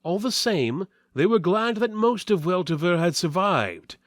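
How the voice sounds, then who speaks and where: A man narrating a mock-epic fantasy tale as a dramatic reading, theatrical and solemn with deliberate emphasis. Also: high voice, very animated, no echo, studio quality. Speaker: story narrator.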